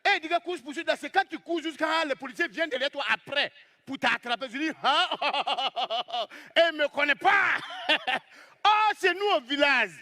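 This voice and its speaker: A man telling a comic story on stage as a stand-up comedian, lively and exclaiming as he acts out the scenes. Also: very high-pitched, brisk.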